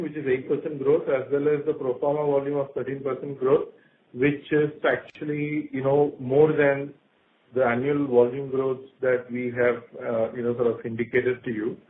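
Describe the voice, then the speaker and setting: A man's voice: medium pitch, level tone, normal speed. An Indian man, a company finance executive, giving unscripted clarifications to investors on an earnings call with some emphasis. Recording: thin, noisy conference phone line.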